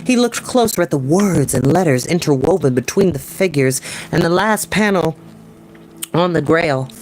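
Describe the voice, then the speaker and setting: Reading a book aloud from a small home room with a desk and bookshelves, this young adult storyteller adds enthusiastic, slangy remarks along the way. His voice sits on the high side, a little mellow, with lively intonation at normal speed; the recording is rough with slight background noise.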